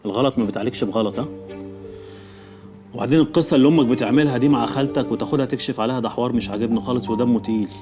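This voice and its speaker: A man's voice: medium pitch, lightly acted. An actor playing a street-smart man who lectures and coaxes a younger relative in a television drama. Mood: scolding. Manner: fast, scolding, coaxing. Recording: TV drama with music behind.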